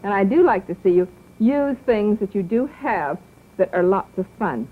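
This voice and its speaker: A middle-aged woman hosting a children's television show, coaxing and teacherly, talking slowly and sweetly to young viewers and then to their parents. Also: medium pitch, lively intonation. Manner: slow, coaxing, sing-song teacherly delivery. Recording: tinny old 1950s broadcast audio.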